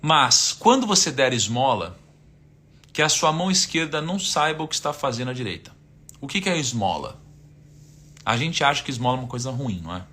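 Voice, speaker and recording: Quick, sharp and lively in intonation, a mid-range male voice carries a casual live-stream lesson on faith and finances. The speaker is a Brazilian man in his thirties with a Brazilian Portuguese accent. His style is conversational, peppered with rhetorical questions and scripture quotations.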